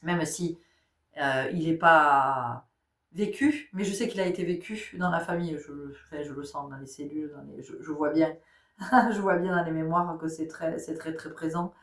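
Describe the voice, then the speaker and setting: Speaking as a spiritual guide, this middle-aged woman has a low voice and a moderate pace, her nose congested from a cold. She addresses listeners directly in a relaxed talk, laughing frequently. The recording sounds roomy, captured from a distant microphone.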